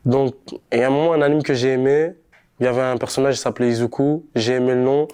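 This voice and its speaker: A young man from Montreal, a rapper, talking casually in a relaxed, slangy street manner during an interview. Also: mid-range voice, fast talker, smooth. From Montreal, Canada. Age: young adult. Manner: laid-back, slangy street talk.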